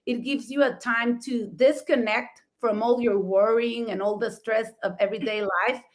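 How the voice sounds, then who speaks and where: Middle-aged woman, Mexican accent, Spanish native, higher pitch; effusive, emphatic storyteller on a talk show. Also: fairly even intonation, moderate pace. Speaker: talk show host and florist.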